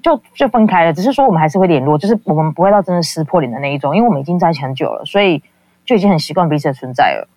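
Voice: mid-range voice, animated, very fast, darkish tone. A caller, telling a personal story in a casual, rambling way, full of fillers and acting out the people quoted. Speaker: call-in guest.

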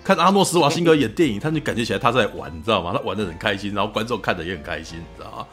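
Fast-talking animated podcast man. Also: lowish voice, soft background music. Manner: fast, animated, keeps asking "you know?". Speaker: podcast co-host. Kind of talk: casual chat.

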